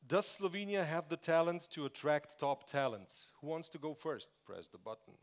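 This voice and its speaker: A man moderating a business panel on a conference stage, briskly prompting speakers by name. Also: fairly high pitch, big pitch swings.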